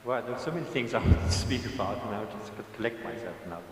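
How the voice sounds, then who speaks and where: A man's voice: fairly low pitch, animated, background noise. A man in his seventies, an audience member making a rambling, digressive comment at a lecture, talking without a microphone. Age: 70s. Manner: digressive, halting, with many restarts and asides. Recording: echoey hall, voice from far off.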